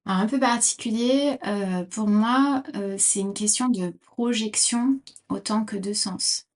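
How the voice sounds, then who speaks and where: A woman's voice: medium pitch, measured pace. A middle-aged woman from Portugal answering interview questions thoughtfully, with many fillers and restarts. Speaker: podcast guest.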